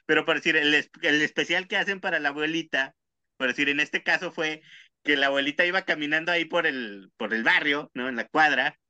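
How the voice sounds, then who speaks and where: A man's voice: a little high, fairly quick, bright, forceful tone, no room sound. A man with a Mexican accent, casually chatting as a podcast co-host, rambling and slangy, tagging lines with tag questions. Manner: slangy, rambling storytelling with frequent "¿no?". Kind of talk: casual chat.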